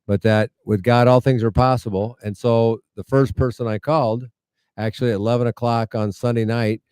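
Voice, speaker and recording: A man's voice: mid-range voice, flat delivery, brisk, darkish tone, smooth, no room sound. A middle-aged man with an American Midwestern accent, telling a story earnestly and with wry humor as an interview guest. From United States, rural Iowa. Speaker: interview guest, medical mission founder. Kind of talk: conversational storytelling.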